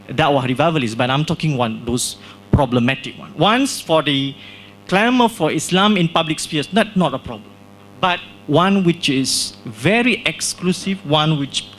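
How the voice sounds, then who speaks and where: A man's voice: a little high, a little hiss or hum. A man from Singapore presenting his book at a launch event, talking in a discursive way with frequent "right?" tag questions and restarts. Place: small hall.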